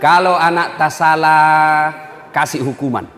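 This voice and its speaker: A man preaching a humorous sermon, acting out parents and children and shouting his punchlines. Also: fairly high pitch, fairly even intonation, measured pace. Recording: echoey hall with long reverb.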